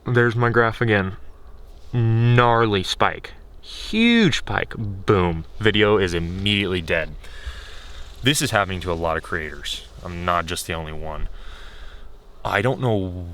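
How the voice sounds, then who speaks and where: A man talking in a casual, unscripted vlog style, candid and rambling as he thinks aloud, his voice getting a little hoarse. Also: low voice, animated, measured pace, a bit bright. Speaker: video creator.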